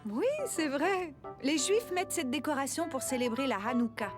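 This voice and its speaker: A woman's voice: sits high, lively intonation, normal speed, over music. A woman voicing a patient, reassuring mother of a small boy in a children's cartoon.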